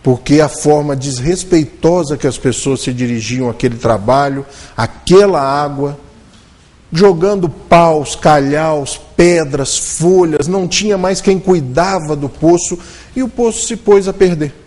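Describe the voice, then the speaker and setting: High-pitched guy w a giving a spiritist talk, tells it like a story, drags out key words. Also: a little mellow. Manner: storytelling, shifts intonation and slows for emphasis. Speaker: spiritist lecturer. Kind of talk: religious lecture. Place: spiritist center meeting room.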